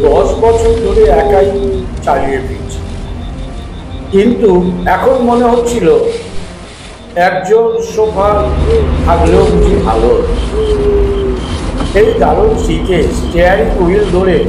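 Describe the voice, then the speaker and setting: A man's voice: high voice, expressive, takes it slowly, pauses often, background noise. A man reading a scripted horror story as its narrator. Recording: roomy echo under loud music. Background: background music.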